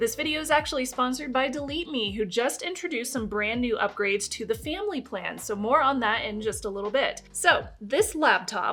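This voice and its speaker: Faint music sits behind a woman with a slight Southern accent, who talks in a high pitch with lively intonation and hardly any pauses. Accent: slight southern drawl. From US Midwest. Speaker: tech reviewer. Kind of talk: product review; sponsor read. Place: studio.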